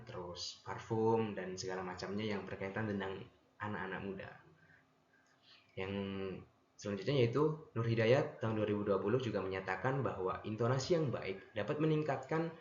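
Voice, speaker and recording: A young man giving an earnest class presentation, stumbling and correcting himself now and then. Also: fairly low pitch. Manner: earnest, with restarts and self-corrections. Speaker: student presenter. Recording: echoey room, dull lo-fi mic, faint noise.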